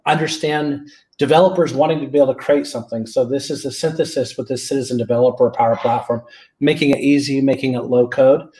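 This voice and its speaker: Relaxed talkative man on a headset. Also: mid-range voice. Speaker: guest presenter. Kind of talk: casual self-introduction. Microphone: headset on video call.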